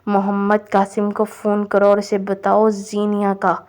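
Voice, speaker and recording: A woman voicing a worried, stubborn father in a novel read aloud, in a flat, even reading voice. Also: mid-range voice, close to an everyday voice. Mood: anxious.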